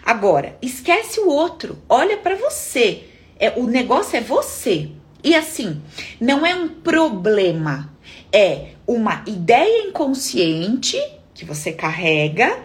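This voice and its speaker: A Brazilian woman therapist talks on a live stream in a lively, conversational way. Her pitch sits on the high side and swings widely as she acts out short scenes and keeps asking rhetorical questions. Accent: Brazilian Portuguese. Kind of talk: live-stream talk answering viewers.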